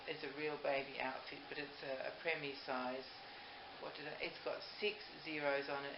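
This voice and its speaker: An older woman chats casually to camera as a doll maker, gushing and rambling, in a home recording. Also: low voice. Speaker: doll maker and video host. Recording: roomy, muffled, noisy home recording.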